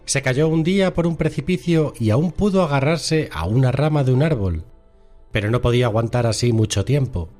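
A man reading a short moral story aloud on a radio program in a measured storytelling manner. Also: mid-range voice, darkish tone, soft background music. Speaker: story reader. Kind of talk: scripted narration.

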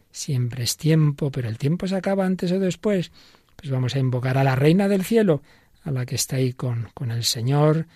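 A man hosting a religious radio program, telling a story in a measured reading manner. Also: medium pitch, dark tone, no room sound, clean studio sound.

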